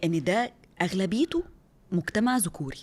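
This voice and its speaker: Quick, excitable Egyptian woman in her thirties. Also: mid-range voice. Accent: Egyptian Arabic. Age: 30s. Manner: lively, excitable storyteller. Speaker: rally driver guest. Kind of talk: casual interview talk.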